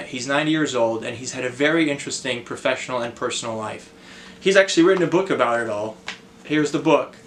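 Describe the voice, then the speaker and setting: Over noticeable background noise, a man talks very fast in a fairly high voice with ordinary pitch variation. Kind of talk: interviewer talk to camera.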